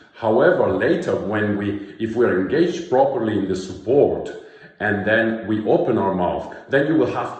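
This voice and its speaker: Moderate-paced speech from a man, with audible room echo and noticeable background noise. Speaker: vocal coach. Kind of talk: tutorial. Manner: frequent 'yeah?' check-ins.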